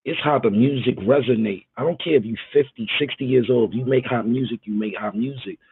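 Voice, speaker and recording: A man hosts a casual live stream, rambling and emphatic as he talks straight to his viewers. His voice is husky and gravelly, sitting at an ordinary pitch. The audio is thin and phone-like, with no room sound. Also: fairly quick, dry recording.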